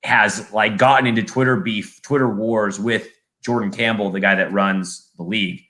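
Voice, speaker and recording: A man's voice: on the low side, fairly even intonation, moderate pace, bright, forceful tone. A young man with a Southern California accent, a play-by-play announcer chatting on a podcast, rambling with lots of fillers and restarts. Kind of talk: casual podcast chat.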